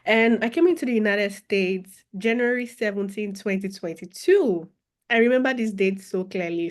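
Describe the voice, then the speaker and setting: A young adult woman with a Nigerian accent, telling her story as an interview guest in an expressive, animated way. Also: medium pitch. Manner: expressive, animated, with laughter and repeated phrases. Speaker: guest, former international student.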